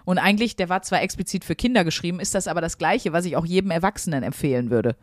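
Chatty woman, lowish dry voice. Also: quick pace, no room sound. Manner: chatty, earnest, talks it through with many fillers. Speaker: podcast co-host. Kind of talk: casual podcast chat.

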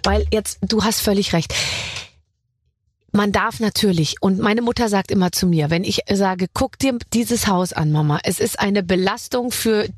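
A woman hosting a podcast, chatting casually with a guest in a joking way, full of quick asides. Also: medium pitch, husky, dry recording, studio quality. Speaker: podcast host.

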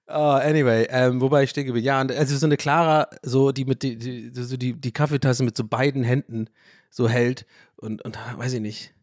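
A man hosting his own podcast, telling stories to his listeners in loose, rambling monologues. He often restarts his sentences and breaks into laughter. His voice sits at an ordinary middle pitch, and the sound is dry and close. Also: steady tone, moderate pace, darkish tone, no room sound. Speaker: podcast host. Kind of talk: casual solo podcast monologue.

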